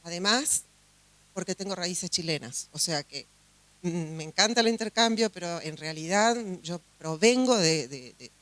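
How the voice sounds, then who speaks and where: A woman's voice: on the low side, animated, normal speed, a bit bright. A woman from Uruguay with a Uruguayan Spanish accent, a judge giving a chatty conference talk full of fillers and restarts. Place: conference hall.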